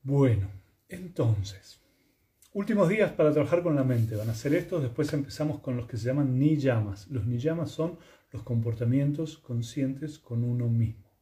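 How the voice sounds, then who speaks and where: A man with a Rioplatense Spanish accent giving a calm, unhurried yoga lesson, speaking gently with pauses. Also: mid-range voice. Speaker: yoga teacher. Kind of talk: reflective spoken lesson.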